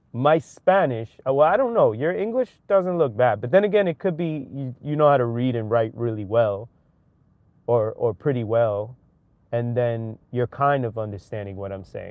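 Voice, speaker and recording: Speaking with a strong New York accent, a man keeps a moderate pace and a medium pitch. His intonation is lively. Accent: strong local New York. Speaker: livestreamer. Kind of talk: casual livestream chat. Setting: livestream. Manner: casual, halting with repetitions.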